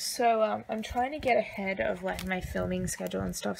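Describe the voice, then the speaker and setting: Her speech is very fast. There is noticeable noise in the background as the woman talks. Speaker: planner vlogger. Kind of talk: casual vlog chat. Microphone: camera far.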